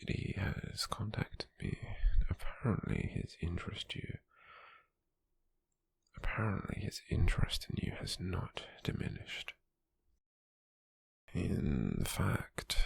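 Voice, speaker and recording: A British man playing a possessive, calculating, smug slave merchant in a hushed ASMR roleplay, with a husky, breathy, gravelly voice and a slow, deliberate delivery. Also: low voice, exaggerated voice. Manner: slow, deliberate, with lingering pauses.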